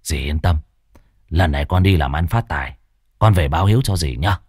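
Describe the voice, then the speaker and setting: A man voicing a coarse, swaggering young village thief who speaks low and gruff. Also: a little fast, darkish tone, no echo, studio quality. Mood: wheedling.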